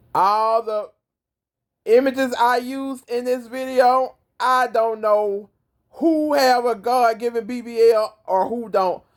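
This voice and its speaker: A woman at a very slow pace, with fairly even intonation. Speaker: YouTube vlogger. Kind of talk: casual vlog talk.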